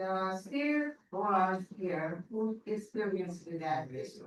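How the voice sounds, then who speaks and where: A woman with a Korean accent, medium in pitch, at a moderate pace with lively intonation. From South Korea, Busan. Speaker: literature researcher. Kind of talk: academic presentation.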